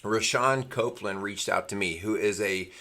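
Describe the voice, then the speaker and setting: A middle-aged man in casual podcast conversation, earnest and fond of repeating key phrases. His voice sits fairly low but sounds bright and forward. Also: normal speed. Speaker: co-host of a Christian marriage podcast.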